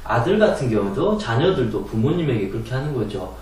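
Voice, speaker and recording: A man gives an earnest, explanatory lecture on meditation and releasing anger, posing rhetorical questions as he goes. His delivery is very animated and a little fast, with a darkish tone and lots of pitch movement. He's picked up by a distant mic in a very echoey room.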